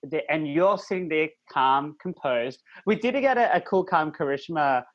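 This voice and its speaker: A man co-hosting a casual podcast chat, acting out quotes with big jumps in pitch as he talks. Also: expressive, normal speed, dull audio. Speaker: podcast co-host.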